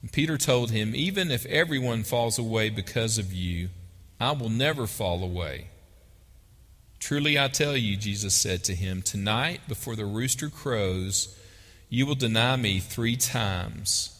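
Preaching with a Texas accent, this man reads from scripture and talks it over in a conversational way, asking the congregation questions. His pitch is fairly low, his tone fairly bright, and his delivery unhurried. A long hall reverb fills the recording.

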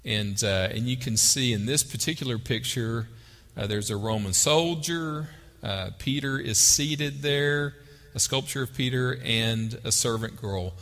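A man with a Texas accent preaches in a conversational way, reading scripture and pausing to ask his listeners questions. His voice is bright and forceful at a middle pitch. It rings with the long reverb of a large hall. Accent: Texan. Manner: conversational, asks the audience questions. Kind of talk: sermon with Bible reading.

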